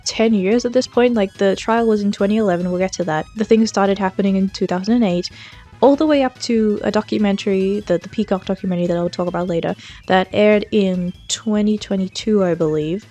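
Talking a little quickly in a warm, mid-range voice, a woman who makes true-crime commentary videos discusses a case in a relaxed, chatty way. She leans on "like" as a filler, her close mic picks her up clearly, and soft music plays in the background.

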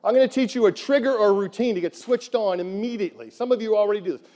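A middle-aged man giving an energetic motivational keynote on a conference stage, repeating phrases and firing questions at the crowd. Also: high voice, fast talker. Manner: emphatic, repeats phrases, asks the crowd questions, leads chants. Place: large conference hall on stage. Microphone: headset mic. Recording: live hall with long reverb.

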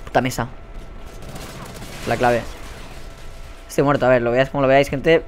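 A man's voice: medium pitch, fairly even intonation, moderate pace, a little hiss or hum. A young man with a Spanish accent from Spain, giving live gameplay commentary with constant swearing and frustrated outbursts. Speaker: gaming YouTuber.

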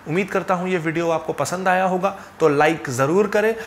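A man's voice: high-pitched, a little fast, slight background noise. A young man hosting a finance channel, explaining steadily and earnestly to camera from a small home office on a lapel mic. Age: young adult. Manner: earnest, steady, gestures with hands while explaining. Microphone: clip-on lapel mic.

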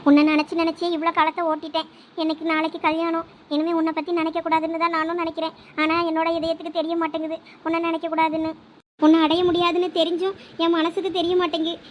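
High-pitched tearful young bride, fast pleading lines, village skit, performed by a woman. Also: completely flat delivery, slight background noise. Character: young bride crying the night before her wedding.

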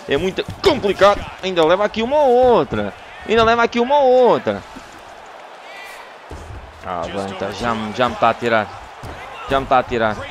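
A man with a European Portuguese accent commentating his own fight game, excitable and lurching from yelling to groaning. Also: on the high side, noisy background. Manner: animated, swings from yelling to groaning. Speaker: gaming YouTuber.

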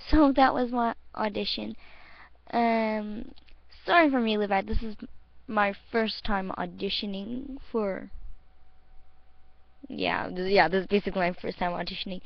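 A woman's voice: medium pitch, unhurried, gravelly, dry recording. A woman casually introducing her audition, with a hesitant, apologetic manner. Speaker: amateur voice actor auditioning. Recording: dull lo-fi home mic.

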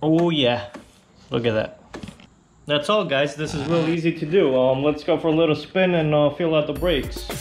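A man hosting a casual how-to video, explaining a repair step by step in a relaxed, plainspoken way. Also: on the high side, moderate pace. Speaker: motorcycle channel host.

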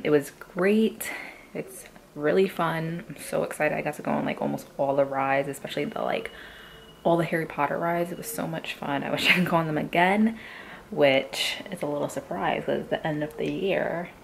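A young woman with a raspy morning voice, chatting casually to her camera from a hotel room. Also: low voice, a little hiss or hum, poor audio. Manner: chatty, filler-heavy, rambling. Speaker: vlogger. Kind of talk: casual vlog chat.

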